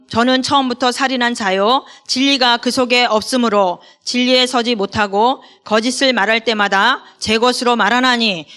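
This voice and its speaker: A middle-aged woman preaching from the pulpit, her tone bright and forceful. She reads scripture in a slow, measured way and asks the congregation questions as she goes. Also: on the high side, smooth. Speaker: associate pastor. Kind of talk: sermon.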